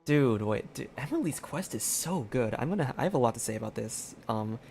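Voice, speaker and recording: A man's voice: mid-range voice, lively intonation, brisk, vocal fry, a little mellow. A man streaming a game, giving casual, rambling commentary in informal slang. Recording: game music behind.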